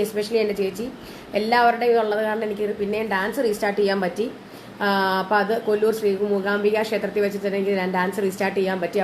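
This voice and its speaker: A woman's voice: mid-range voice, a little hiss or hum. A woman with a lingering cold and cough, chatting casually as she hosts a live jewellery sale and mixes in English words. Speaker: live-stream jewellery seller and host. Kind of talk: casual live sales chat, greeting viewers.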